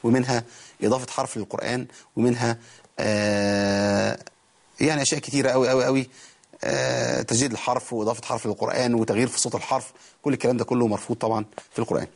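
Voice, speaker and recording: A man with an Egyptian accent teaching Quran recitation on a TV programme, explaining rules in quick colloquial speech and reciting verses slowly. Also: medium pitch, fairly even intonation, creaky, slightly rough. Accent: Egyptian Arabic. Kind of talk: TV recitation lesson.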